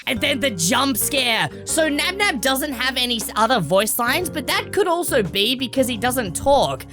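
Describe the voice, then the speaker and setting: Animated high-voiced woman explaining game lore. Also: moderate pace. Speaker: video host. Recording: music under the voice.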